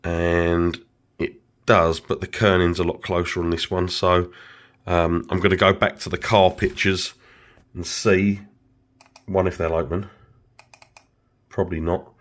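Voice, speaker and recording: A man with a flu-croaky voice, casually explaining his livery design work in a workshop vlog. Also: low voice, level tone, unhurried, long pauses, a bit bright. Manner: chatty, explains steps with many fillers. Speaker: vinyl livery maker.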